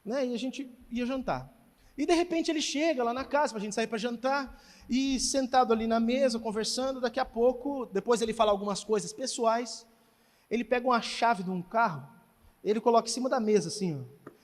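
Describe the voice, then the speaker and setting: A man preaching as pastor, telling a testimony with animated storytelling and emphatic exhortation. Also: very high voice, fairly quick. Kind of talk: sermon with testimony. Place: church hall. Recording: church hall reverb.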